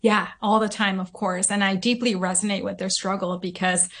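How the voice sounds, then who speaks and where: A woman's voice: mid-range voice, little pitch movement, normal speed, a bit bright. A woman from Southern California, in her thirties, answering interview questions as a coach, reflective and often adding "right?" to her points. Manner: reflective, frequent "right?" tags and fillers.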